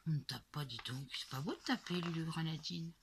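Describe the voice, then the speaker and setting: A woman voicing a gentle, patient father in a soft, coaxing tone. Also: deep voice, fairly quick, a little hiss or hum. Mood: scolding.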